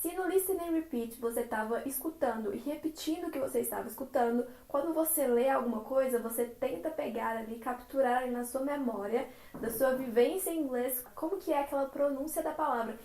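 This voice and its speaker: A woman with a Brazilian Portuguese accent giving language-learning tips in a chatty, expressive tutorial vlog. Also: high-pitched, a little fast. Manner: chatty and expressive, acts out little dialogues. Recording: roomy, echoey room.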